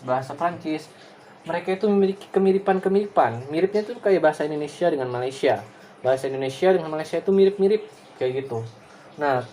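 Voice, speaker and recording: Male lecturer, casual digressive delivery, mid pitch, faint noise floor. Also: a little mellow. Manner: casual and digressive, many fillers and tag questions. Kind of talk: recorded class explanation.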